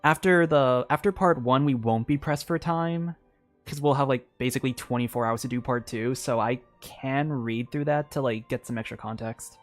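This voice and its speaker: A man's voice: mid-range voice, moderate pace, faint music behind. Casual male streamer, loose rambling commentary, filler-heavy. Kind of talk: live gameplay commentary.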